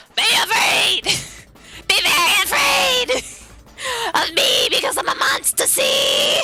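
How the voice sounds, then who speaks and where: A put-on character voice shouts at an extremely high pitch. The pace is fairly slow. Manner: exaggerated, menacing in a silly way.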